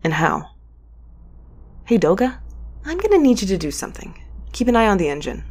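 An actress playing a wry, restless space mail courier in an audio drama, muttering and sardonic with a conversational delivery. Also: female voice, mid-range voice, sing-song, moderate pace, darkish tone. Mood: restless, determined. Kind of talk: audio drama acting with first-person narration.

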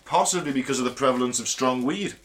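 A man's voice: medium pitch, quick pace, slight background noise. A British man co-hosting a podcast, chatting casually and comically, swearing and laughing while reading out news stories. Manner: animated, sweary, laughs often, reads news aloud. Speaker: podcast co-host. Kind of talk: casual comedic chat.

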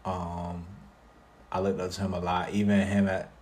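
A young man from South Florida, a guest music artist talking about his life in a relaxed interview, with many fillers. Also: deep voice, moderate pace, a little hiss or hum. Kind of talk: casual interview conversation.

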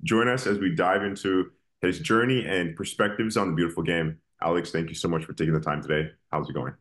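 Deep-voiced upbeat male podcast host. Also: fairly even intonation, a little fast, fairly bright tone. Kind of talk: interview hosting.

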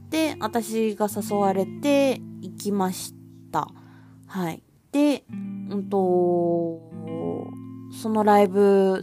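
A woman hosting her own podcast, rambling casually with plenty of fillers. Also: mid-range voice. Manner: chatty, rambling with many fillers. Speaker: podcast host. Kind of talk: casual solo podcast talk.

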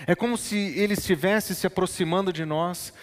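A man's voice: high voice, a little fast. Preaching man in a reverberant church. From northern Brazil. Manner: storytelling, rising to emphatic preaching. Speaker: pastor. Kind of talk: sermon.

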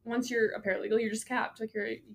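A woman's voice: on the high side, level tone, quick pace. A young woman in her twenties hosting a podcast, chatting casually, swearing freely and laughing often. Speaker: podcast host. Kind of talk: casual chat.

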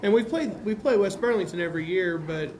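American man, basketball coach, fairly high pitch, plain-spoken, casual interview answers, faint background noise. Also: brisk, a little mellow, rough recording. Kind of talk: interview answers, game analysis.

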